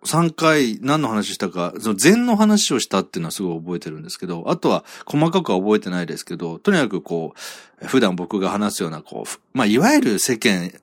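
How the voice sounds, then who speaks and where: A man's voice: on the low side, very animated, brisk, dry recording, studio quality. A man hosting his own podcast, reading out listener comments in a rambling, self-deprecating way with frequent chuckles. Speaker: podcast host.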